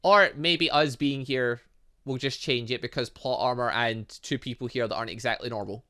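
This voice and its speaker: A man giving animated let's play commentary on a video game, reading dialogue aloud and adding sarcastic asides. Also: medium pitch, moderate pace. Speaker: gaming channel host.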